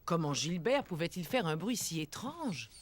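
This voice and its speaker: A woman giving scripted, gentle storybook-style narration for a children's cartoon, with music behind her. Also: on the low side, big pitch swings, moderate pace, a little hiss or hum. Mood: gentle storytelling.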